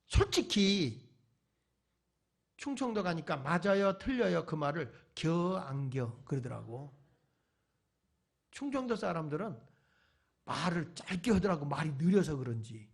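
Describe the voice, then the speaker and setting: A guest revival speaker preaches a sermon at a church revival meeting, throwing rhetorical questions at the congregation and mixing in folksy humor. He is a man with a voice on the high side, big pitch swings, and a gravelly, breathy edge at normal speed.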